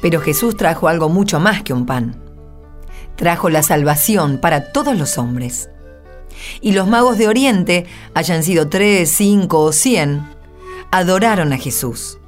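A woman gives a solemn religious narration. Her voice sits on the low side and moves in measured, reverent phrases. Faint music runs underneath. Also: lively intonation. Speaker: narrator and scripture reader. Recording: soft music behind the voice.

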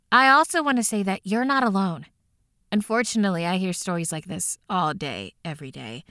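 An actress playing an upbeat housing caseworker who reassures a caller on the phone. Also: female voice, medium pitch, fairly bright tone, clear, resonant tone, no echo, studio quality, close to an everyday voice. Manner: cheerful, reassuring, businesslike.

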